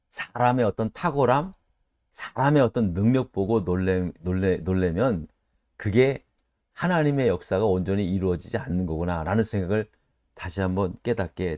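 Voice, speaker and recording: A middle-aged male pastor leads a Bible study sermon in an animated style, asking rhetorical questions of his listeners. He acts out quoted voices with sudden jumps in pitch, and the sound is clean studio audio with no room sound.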